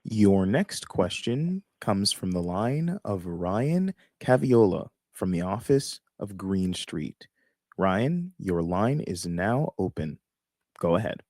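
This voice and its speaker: A man's voice: low voice, very animated, takes it slowly, darkish tone, dry recording, studio quality. A man making formal scripted announcements as a conference call operator.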